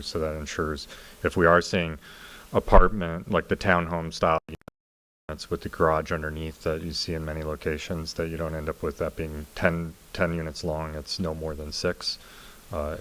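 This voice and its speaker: A man's voice: extremely low pitch, fairly bright tone, slight background noise. A man giving an informal, explanatory presentation as a planning consultant in a council meeting room.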